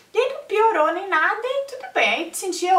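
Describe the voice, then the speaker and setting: Audible room echo surrounds a woman whose pitch swings very widely as she talks at a moderate pace. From Brazil. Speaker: fitness vlogger. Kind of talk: casual vlog monologue. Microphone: camera far.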